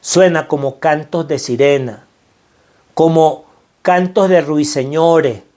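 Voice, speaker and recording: Man, Venezuelan accent, middle-aged, slightly high pitch, earnest, preacherly, motivational speaker. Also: slow, a little mellow. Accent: Venezuelan Spanish. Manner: earnest, preacherly, repeats phrases for emphasis. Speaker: financial mindset speaker. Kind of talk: motivational talk.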